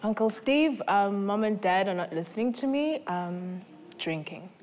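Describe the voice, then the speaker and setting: A woman's voice: mid-range voice, animated, a little slow. A woman student on a game show, answering the host shyly and hesitantly. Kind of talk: answering host's questions. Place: TV studio game show set. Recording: noisy studio background.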